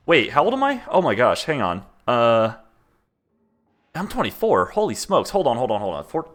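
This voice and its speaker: A man in his twenties giving casual, rambling commentary while he plays a game and chats with viewers, quick to laugh at himself. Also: mid-range voice, huge pitch swings, fairly bright tone. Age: 20s. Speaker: streamer. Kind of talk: casual gameplay commentary chatting with chat.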